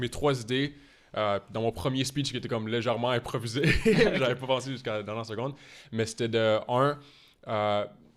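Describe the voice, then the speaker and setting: A man with a medium pitch speaks at a moderate pace with fairly even intonation. He leaves long, frequent pauses. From Quebec (Rigaud). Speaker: marketing strategist and former model. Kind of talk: podcast interview. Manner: hesitant, many repetitions and fillers.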